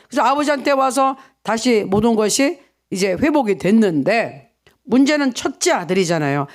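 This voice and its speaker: A male pastor giving an early morning sermon, asking many rhetorical questions and acting out the people in his story. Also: very high voice. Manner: rhetorical questions, acts out quoted voices.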